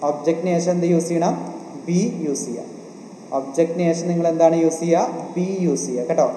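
Man, Malayali accent, grammar teacher, keeps asking and answering himself, dark mellow voice, echoey room with faint hiss. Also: fairly high pitch, fast talker. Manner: repetitive, asks questions and answers them himself. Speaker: exam coaching teacher. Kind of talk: online grammar lesson.

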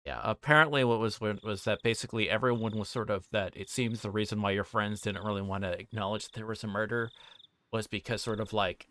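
A man livestreaming a visual novel, reading text aloud and commenting casually in a halting, informal way. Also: lowish voice, steady tone, pushed and bright. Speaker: streamer.

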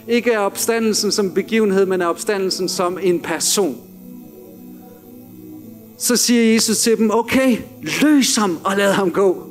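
Animated male preacher, very high voice, acts out quotes, soft instrumental music underneath. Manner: animated preaching, acting out Jesus' words, chuckles at own jokes. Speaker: pastor. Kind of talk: sermon. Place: church.

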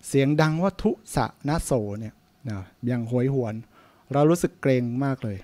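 A man's voice: medium pitch, expressive, normal speed, warm tone, lightly acted. A monk voicing an uneasy king. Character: worried king consulting his priest.

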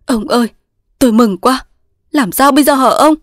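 A woman voicing a young male resistance soldier, pleading in loud sobbing outbursts in a storybook reading. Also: fairly high pitch, fairly quick, no echo, clean studio sound, pitched above the performer's own voice, lightly acted. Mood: frantic.

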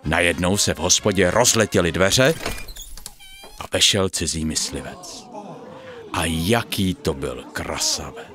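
A man's voice: low voice, over music. A man narrating a bedtime fairy tale, speaking directly to the children listening. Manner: lively, addressing children directly. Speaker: storyteller.

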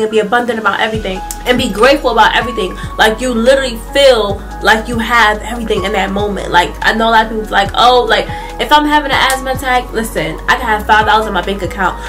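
A woman's voice: a little high, fast, few pauses, distant mic, over music. A young woman with a congested, stuffy nose, giving a chatty motivational talk to camera with lots of fillers. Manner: chatty, animated, lots of "like" and hand gestures. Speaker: vlogger. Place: small indoor room.

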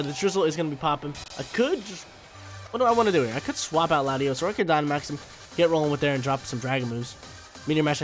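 A young gaming YouTuber with a male voice on the high side rattles off live commentary during a video game battle. He's hyped and slangy, talking to himself about moves, and his allergies make him stuffy and nasal. Game music plays faintly in the background.

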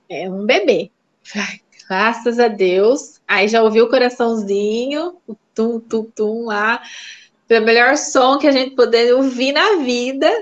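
Animated woman telling her story, slightly high. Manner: animated, acts out quoted dialogue. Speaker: interview guest sharing her fertility story. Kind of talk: casual testimonial storytelling. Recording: dull lo-fi recording.

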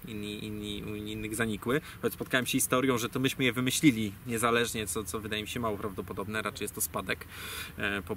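A man with a somewhat low, slightly bright voice rambles through a digressive, casual explanation, full of fillers and self-corrections. He's a guest speaker on language origins, recorded on a distant mic with faint ambient noise.

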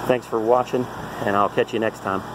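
A man's voice: lowish voice, steady tone, moderate pace, noisy background. A man, an HVAC technician, walks through a repair tutorial outdoors by a heat pump in a plain-spoken, practical way, filmed on a phone held close.

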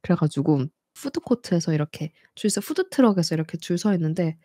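A woman's voice: lowish voice, fairly quick, no echo, clean studio sound. Young woman telling stories, laughing often. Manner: lively, laughs often, acts out quoted people. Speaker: YouTube host. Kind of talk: casual live-stream storytelling.

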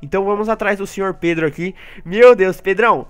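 A man with a Brazilian Portuguese accent giving excitable live commentary on his gameplay. He talks straight to his audience and often jumps into high yelps and laughter. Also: brisk, clear, resonant tone. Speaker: gaming YouTuber.

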